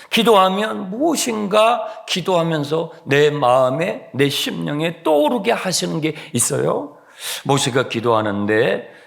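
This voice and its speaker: Animated gravelly-voiced pastor preaching. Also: male voice, mid-range voice. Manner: animated, acts out complaining voices and sings hymn lines; drops to a hushed whisper for emphasis. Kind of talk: expository sermon.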